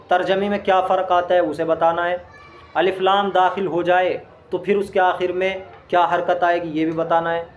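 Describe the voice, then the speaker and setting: Male Arabic teacher with a high voice, patient drill-style delivery, faint noise behind. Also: muffled recording. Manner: explains step by step, quizzes the listener with questions. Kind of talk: classroom grammar lesson.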